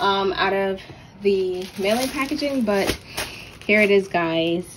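A woman talks very slowly with ordinary pitch variation while noticeable background noise runs underneath. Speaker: budgeting vlogger. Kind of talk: casual vlog chat. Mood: excited, friendly. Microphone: phone near.

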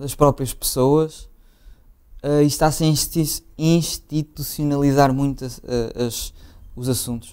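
Fairly high-pitched, a man speaks in a dark, mellow tone with monotone, flat intonation. His pace is fairly slow, and the background is quiet. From Portugal, Figueira da Foz area; Portugal. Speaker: student and youth association president; interviewee. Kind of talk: interview. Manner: halting, many fillers. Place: studio.

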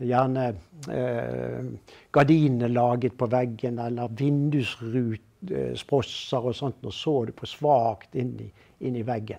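Very slow speech in a dark, mellow tone, with fairly even intonation over a quiet background. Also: man. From Bergen; Norway. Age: 70s. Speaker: portrait photographer. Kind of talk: talk to a live audience. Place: shop. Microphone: lapel.

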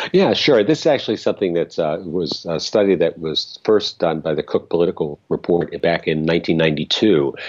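A man with an American accent talks at a moderate pace with hardly any pauses. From United States. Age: 60s. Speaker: author and social justice advocate. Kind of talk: interview. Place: home room. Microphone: earbuds.

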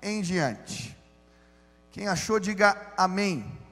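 At a very slow pace, a man talks in a high pitch with ordinary pitch variation. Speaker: youth pastor. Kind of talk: sermon. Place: church. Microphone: handheld.

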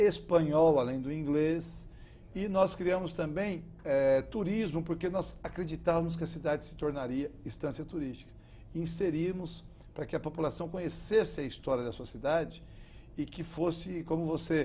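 A dark, mellow tone carries fairly even intonation at a moderate pace. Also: man, fairly high pitch for a man. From Brazil, São Paulo state interior (Santa Fé do Sul); São Paulo state, Brazil. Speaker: state legislator; politician guest. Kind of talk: interview. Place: studio. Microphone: lapel.

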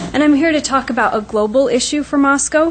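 A woman speaks quietly, her pitch varying in an ordinary way. Noticeable background noise runs underneath. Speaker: member of the public. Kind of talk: public comment. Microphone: too far from the microphone.

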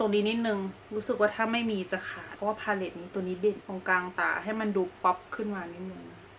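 With light background noise, a woman speaks using fairly even intonation. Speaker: beauty vlogger. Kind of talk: tutorial. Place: home room.

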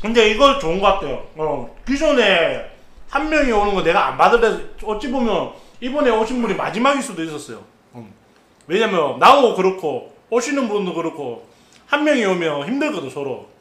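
A man with a high-pitched voice talks at a moderate pace, with audible room echo. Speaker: live streamer. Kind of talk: casual stream chat. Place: home room.

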